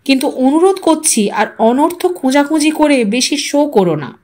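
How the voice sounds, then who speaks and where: A woman's voice: high voice, very animated, moderate pace, darkish tone. A woman narrator plays an aggrieved man visiting relatives in a literary audio story. The delivery is grave and coldly sarcastic, dismissing others with cutting, varied intonation. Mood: cold, bitter. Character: Niren, aggrieved, coldly sarcastic male house guest.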